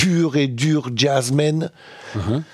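A man's voice, dry and close with no echo. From Belgium, Charleroi, Greek parents. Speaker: jazz bassist. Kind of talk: interview. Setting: streaming studio.

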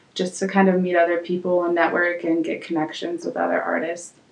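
A woman speaks with a fairly low pitch and monotone, flat intonation. Noticeable background noise sits behind her. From South Dakota (Sturgis). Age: 20s. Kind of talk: casual interview. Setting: office.

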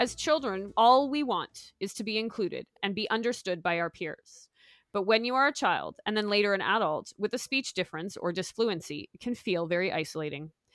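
A woman with a Canadian accent has a normal speaking voice at medium pitch. She talks at a fairly quick pace, and the sound is dry and close with no echo. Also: lively intonation, very clean recording, silent background. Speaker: podcast host. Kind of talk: interview conversation.

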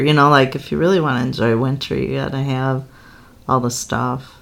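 Her voice sits very deep and low, with vocal fry. This woman talks at a moderate pace with ordinary pitch variation. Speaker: occupational therapist and mother of host. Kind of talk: casual chat. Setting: home bedroom.

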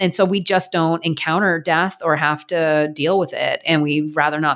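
Speaking at a moderate pace, a woman uses a very deep, low pitch with ordinary variation. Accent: American. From USA. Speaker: dietitian and author. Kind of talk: interview.

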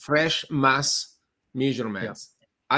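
A man with an Italian accent speaks at a fairly high pitch. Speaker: webinar host on viticulture. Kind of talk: webinar interview. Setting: video call. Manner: halting.

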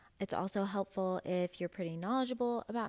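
Speaking at a fairly quick pace, a woman with a medium pitch uses an animated tone and ordinary pitch variation on a very clean recording with a silent background. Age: 20s. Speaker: manifestation podcast host. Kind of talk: casual solo podcast talk. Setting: home, living room. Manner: chatty, animated.

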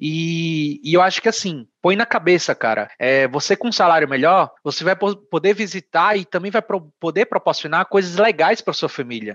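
A man talks at a moderate pace with a high pitch and ordinary pitch variation. The sound is dry and close with no echo, against a quiet background. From Brazil, Northeast (Natal, Rio Grande do Norte). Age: 20s. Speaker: SEO team lead, former student. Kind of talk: podcast interview.

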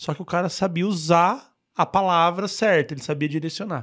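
Speaking with a São Paulo accent, a man talks at a moderate pace with fairly high pitch and ordinary pitch variation. The recording is very clean, with a silent background. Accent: São Paulo (paulista) Brazilian Portuguese. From Mauá, greater São Paulo, Brazil. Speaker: neuroscience and communication specialist. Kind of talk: casual interview chat. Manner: animated, slangy.

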